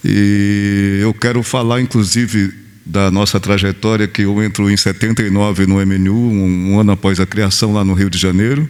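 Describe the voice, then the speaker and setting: Delivered at a moderate pace, the speech keeps a monotone, flat intonation and very even loudness. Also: man, fairly low pitch for a man. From northeastern Brazil. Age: 60s. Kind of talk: panel talk.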